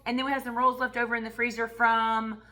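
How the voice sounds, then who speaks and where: Hoarse woman with a lost voice, chatting. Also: fairly high pitch, little pitch movement, quick pace, pushed and bright. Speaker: home cooking vlogger. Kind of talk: casual cooking vlog chat. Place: home kitchen.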